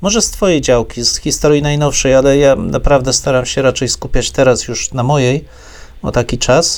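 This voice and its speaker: In an ordinary speaking voice, a man talks at a fairly quick pace with a fairly high pitch. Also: ordinary pitch variation. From Poland. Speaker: historian, podcast co-host, professor. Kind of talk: casual chat.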